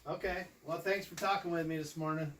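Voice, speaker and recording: A man's voice: a little high, steady tone, fairly quick, a bit bright, slight background noise. An American man in his sixties, a trucker chatting casually in a folksy, rambling way. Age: 60s. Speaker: owner-operator trucker and vlogger. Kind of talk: casual chat on a phone call and to camera.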